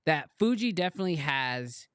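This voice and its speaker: A man hosts a casual podcast in a fairly high, smooth, clear voice. The sound is dry and close-miked. He talks fast and eagerly, rewording his questions as he goes. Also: sing-song, fairly bright tone, dry recording. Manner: quick, enthusiastic, rephrasing often. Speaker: podcast host.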